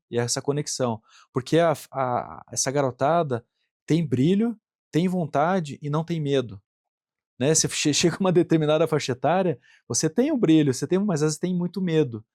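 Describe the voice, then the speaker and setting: A man's voice: fairly high pitch, moderate pace, darkish tone, dry recording, studio quality. A middle-aged Brazilian man, an industrial plant manager, answering interview questions earnestly and thinking aloud, often checking in with tag questions and repeating words. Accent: Brazilian Portuguese.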